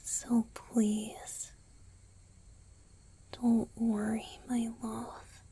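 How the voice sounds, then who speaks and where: A woman voicing a tender romantic young male vampire boyfriend in a gentle, breathy whisper for an ASMR roleplay. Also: on the high side, level tone, heavily acted. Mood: tender, devoted. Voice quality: breathy, airy. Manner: slow, gentle, intimate.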